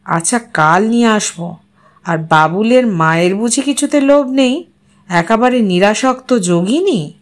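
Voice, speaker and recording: A woman voicing a fond, courteous husband who talks in a soft, playful way in an audio story. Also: mid-range voice, lively intonation, unhurried, natural voice. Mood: fondly teasing. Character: gently teasing husband, adult man, fond and courteous.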